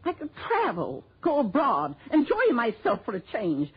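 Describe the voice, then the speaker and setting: A woman's voice: fairly high pitch, wildly swooping pitch, moderate pace, breathy edge, heavily acted. An actress playing a bitter, greedy schoolteacher who resents her relatives, in a 1960s radio drama. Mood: resentful. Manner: spiteful, voice swooping and breaking into sobs. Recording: dull old radio broadcast.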